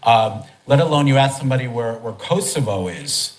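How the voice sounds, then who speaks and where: An American man hosting a live talk in a conference hall, chatty and energetic, with many restarts. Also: mid-range voice, moderate pace. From United States. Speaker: event host and speaker.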